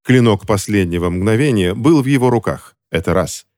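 A male narrator reading a fantasy novel aloud with a steady, dramatic delivery. His voice sits on the low side for a man. The reading is measured and even. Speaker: audiobook narrator. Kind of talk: scripted audiobook narration.

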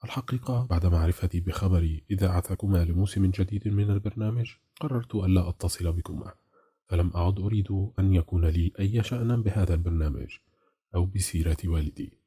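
A man voicing a troubled, bitter middle-aged caller in an audiobook, with restrained anger, in a husky, very dark, low voice. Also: quick pace. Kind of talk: audiobook character reading.

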